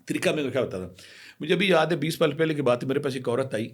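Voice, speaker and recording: A man's voice: on the high side, husky. A middle-aged man from Pakistan, a spiritual healer telling anecdotes and giving emphatic marriage advice straight to women viewers. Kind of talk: storytelling advice talk.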